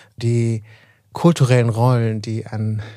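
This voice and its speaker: On a very clean recording with a silent background, a man speaks at medium pitch in a dark, mellow tone. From Mecklenburg-Vorpommern, East Germany. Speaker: author and journalist. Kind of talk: interview.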